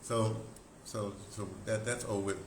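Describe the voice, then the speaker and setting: A man's voice: lowish voice, normal speed. Older American man reminiscing in echoey, noisy room. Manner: excitable, animated storyteller with broken, repetitive phrasing. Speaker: radio drama producer and talk host. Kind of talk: casual rambling reminiscence. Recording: roomy echo, clear background noise.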